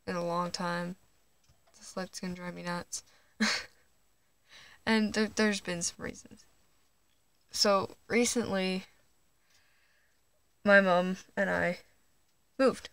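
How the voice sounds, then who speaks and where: Hesitant, soft-spoken teen trans guy. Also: high-pitched, steady tone, slow pace, vocal fry, pauses often, clean tone, no room sound. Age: teens. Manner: hesitant, with nervous laughs and restarts; hushed late-night talking. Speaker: vlogger. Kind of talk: casual personal vlog. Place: under a bed at home, indoors. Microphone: phone camera.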